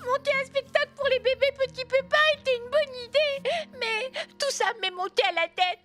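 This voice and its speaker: Casting: a fretful, earnest little cartoon girl, very high and bright. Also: moderate pace, faint music behind. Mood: dejected. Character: anxious, earnest young cartoon girl directing a play. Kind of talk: French cartoon dub acting.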